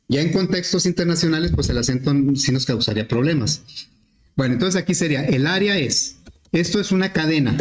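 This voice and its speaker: A man teaching programming, explaining step by step with questions to the class and often clearing his throat. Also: a little high, darkish tone. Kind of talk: screen-recorded class explanation. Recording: echoey room.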